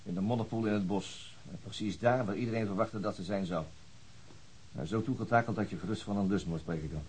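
A male actor plays a sensible police investigator in a radio play. He speaks briskly and matter-of-factly in a lowish voice, with faint noise behind. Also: darkish tone, natural voice, poor audio. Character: level-headed, matter-of-fact police investigator. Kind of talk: radio drama acting.

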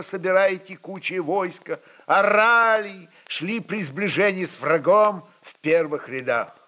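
A man reading historical fiction as a dramatic narrator, measured, expressive and emphatic. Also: a little high.

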